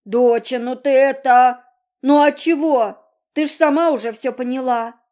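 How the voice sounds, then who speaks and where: A woman's voice: high-pitched, steady tone, measured pace, darkish tone, pitched above the performer's own voice. A woman voicing a poor, guilty father who rambles and makes excuses. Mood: pleading. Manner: rambling, pleading, excuse-making.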